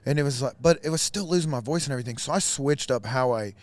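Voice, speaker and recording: A man's voice: medium pitch, fast talker. A man, a musician guest, talking earnestly and emphatically in a casual backstage chat.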